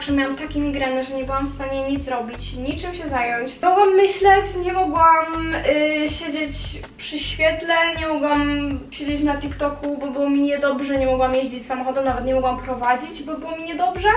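A woman's voice: high voice, low-quality recording. A young woman chats casually to her followers as a vlogger, telling things in an informal, confiding, rambling way. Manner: informal, confiding, rambling storytelling with occasional swearing. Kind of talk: casual chatty vlog talk to followers.

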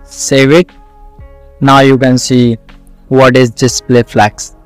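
Slow, clear South Asian man teaching. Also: mid-range voice, level tone, no echo, soft background music. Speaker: coding tutorial instructor. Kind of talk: screen-recorded tutorial, explaining step by step.

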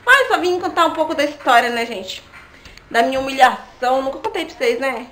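A woman's voice: high voice, lively intonation, fairly quick, fairly bright tone, a little hiss or hum. A young adult woman telling a story in a casual vlog, chatty and often turning to her viewers. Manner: chatty, often asks the audience "né, gente?". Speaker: vlogger.

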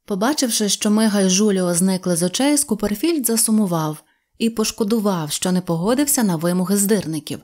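A woman reading a children's audiobook aloud, with lively storytelling. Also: mid-range voice, brisk. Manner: lively storytelling, voicing characters. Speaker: audiobook narrator.

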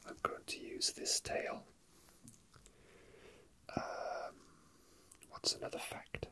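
Someone whispering breathily and unhurriedly, murmuring casually to themselves in an ASMR style, close to the microphone. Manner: soft, unhurried, murmuring to self. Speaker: toy unboxing video host.

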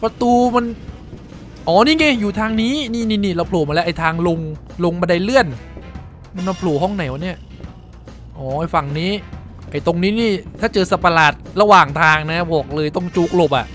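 A man giving casual gameplay commentary, excitable, swearing freely and exclaiming as he plays. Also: high voice, a little fast, faint music behind. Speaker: gameplay streamer.

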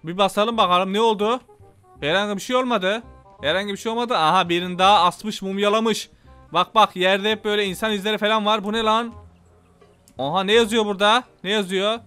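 This Turkish-accented YouTuber talks through his gameplay with high-pitched, smooth, slightly quick delivery. He's casual and excitable, playfully cursing at his audience, with faint music in the background.

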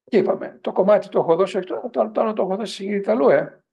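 A middle-aged priest and professor lecturing a parents' group in a digressive style, often asking the audience whether they agree. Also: male voice, sits high, gravelly, husky. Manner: animated, digressive storytelling.

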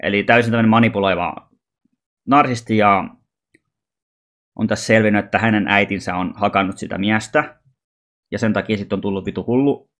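Rambling, low-voiced man vlogging. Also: steady tone, pauses often, fairly bright tone. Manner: rambling and informal, swearing often. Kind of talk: casual personal monologue.

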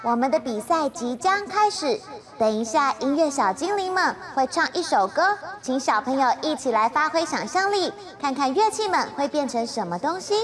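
A woman's voice: high-pitched, big pitch swings, normal speed. A woman with a Taiwanese Mandarin accent announcing a children's contest in simple, encouraging scripted speech. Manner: bright, simple address to small children. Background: music.

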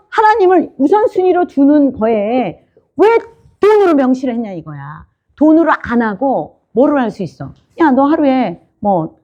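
A woman's voice: high voice, dull audio. A woman pastor preaching a sermon in an informal, questioning way, often asking the congregation whether they understand.

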